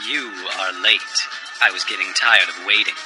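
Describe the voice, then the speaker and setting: An actor playing an imperious, languid vampire lord in an anime dub, with a condescending manner. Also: male voice, on the low side, music in the background, close to an everyday voice, rough recording. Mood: bored, cool. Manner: unhurried, condescending. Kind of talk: English anime dub acting.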